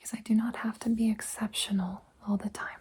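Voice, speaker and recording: Soft-spoken and fairly slow, a woman talks at a fairly high pitch with monotone, flat intonation. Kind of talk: ASMR soft-spoken self-help talk.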